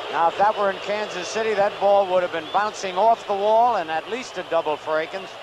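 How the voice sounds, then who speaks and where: High-pitched male voice at a fairly quick pace, fairly even intonation and hardly any pauses, dry with no echo, noticeable background noise behind it. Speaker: baseball commentator. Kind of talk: live baseball commentary. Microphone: headset.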